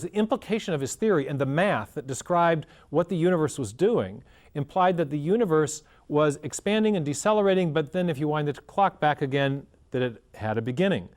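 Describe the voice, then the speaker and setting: A man's voice: fairly high pitch, darkish tone. Earnest man explaining at length. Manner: earnest, storytelling explainer who restarts phrases. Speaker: guest scholar. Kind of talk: explanatory interview talk.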